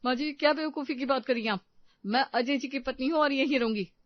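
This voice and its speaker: A woman voicing a sharp-tongued, bossy young wife in a cartoon story, talking in a scolding, snappy way. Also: high voice, fairly quick, no room sound, close to an everyday voice. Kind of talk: cartoon voice acting. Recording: dull dry studio audio.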